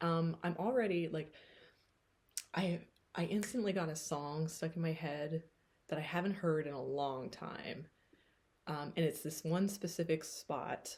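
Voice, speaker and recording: A woman with an American accent speaks at a fairly slow pace, somewhat breathy and fairly low in pitch. She leaves long, frequent pauses. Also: ordinary pitch variation. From Pennsylvania, US. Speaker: tarot reader. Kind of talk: tarot reading to camera; guided breathing instruction. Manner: casual, chatty with fillers.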